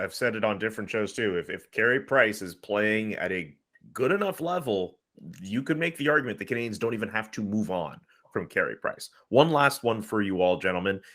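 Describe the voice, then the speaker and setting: A man's voice: fairly low pitch, sharp tone. A man hosting a sports podcast panel in a casual, conversational style. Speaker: podcast host.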